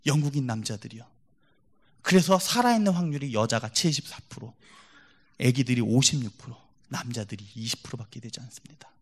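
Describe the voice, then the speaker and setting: A man preaching a sermon in church, telling stories with lively, acted-out voices and dropping from loud to hushed. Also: mid-range voice. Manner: animated storytelling, acts out quoted voices, swings from loud to hushed.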